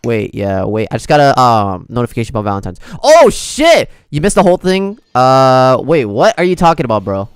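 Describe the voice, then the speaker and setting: A man's voice: medium pitch, wildly swooping pitch, fairly quick, few pauses, clear, resonant tone, no room sound. A man livestreaming a video game in casual, slangy, chummy chat with his viewers. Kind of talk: casual gameplay stream chat. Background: game music.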